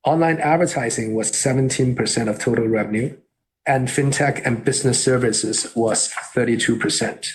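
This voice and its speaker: A man's voice: medium pitch, rough recording. Formal man presenting company results. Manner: formal, measured reading of figures. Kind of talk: scripted earnings call presentation.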